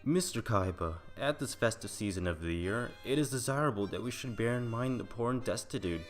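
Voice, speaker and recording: A man's voice: lowish voice, brisk, soft background music, lightly acted. A man acting as a polite, earnest charity collector in a fan audio drama, formal in manner. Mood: formal, solicitous.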